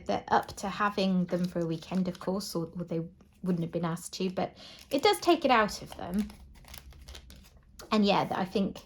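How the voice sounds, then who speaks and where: A woman's voice: medium pitch, a little hiss or hum. A middle-aged British woman chatting casually and in a rambling way as she hosts a craft video at home. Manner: chatty, rambling, often chuckling. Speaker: craft channel host. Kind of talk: casual chat while doing a craft. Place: indoors at home.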